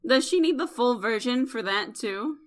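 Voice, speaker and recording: A woman's voice: a little high, lively intonation, normal speed, lightly acted. A woman playing a sardonic, blunt, easily irritated ordinary human in an audio drama.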